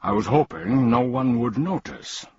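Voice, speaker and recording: 男子演绎的威严而忧郁的国王,嗓音粗哑. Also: male voice, mid-range voice, lively intonation, measured pace, darkish tone, breathy edge, dry recording, lo-fi sound, voice pushed up. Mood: sad, grumbling. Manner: regal, declamatory. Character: imperious but melancholy male king, easily put out. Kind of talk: storybook character reading.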